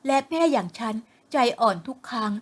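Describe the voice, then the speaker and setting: A woman voicing a worried, exasperated middle-aged mother who speaks loudly. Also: on the high side, expressive, brisk. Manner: loud, exasperated.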